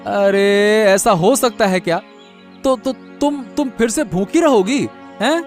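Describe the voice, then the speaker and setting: A man's voice: high voice, slow pace, soft background music. A man voicing a worried young husband in a cartoon story, pleading and fretful. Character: anxious young husband, worried for his wife.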